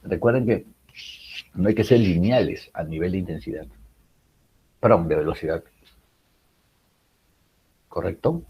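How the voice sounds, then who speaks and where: A man's voice: deep voice, animated, unhurried, long pauses, muffled recording, a little hiss or hum. A man teaching a writing class, explaining public speaking with many rhetorical questions and fillers. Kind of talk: recorded class lecture.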